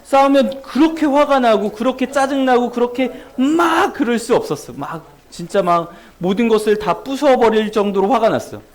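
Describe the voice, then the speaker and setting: A man's voice: very high voice, normal speed, few pauses. A man, a children's pastor, giving a sermon at a children's church service. He tells stories and keeps asking the kids questions. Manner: animated storytelling that asks children questions.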